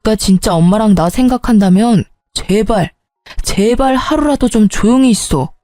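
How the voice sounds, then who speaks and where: A woman's voice: on the high side, moderate pace, warm tone, no room sound, faint music behind, lightly acted. A woman doing an exasperated grown son. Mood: angry. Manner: exasperated, pleading. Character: grown eldest son, frustrated and pleading. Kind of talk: storybook narration.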